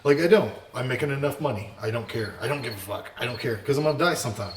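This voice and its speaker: A man's voice: medium pitch, animated, quick pace. A man in his late thirties hosting a podcast, rambling and self-deprecating in casual chat, swearing often. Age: late 30s. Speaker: podcast host. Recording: echoey room from far off, noisy.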